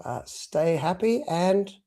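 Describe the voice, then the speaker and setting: A man's voice: sits high, lively intonation, slow pace, dark tone. Chatty man hosting a live podcast. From abroad, moved to Australia at three. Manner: chatty, rambling with many fillers. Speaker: podcast co-host. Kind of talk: casual live stream chat.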